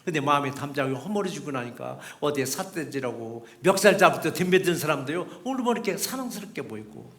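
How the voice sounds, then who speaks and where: A man's voice: fairly high pitch, big pitch swings, fast talker, few pauses, a bit bright. A middle-aged male pastor preaching a sermon, emphatic and repetitive, acting out short quoted voices.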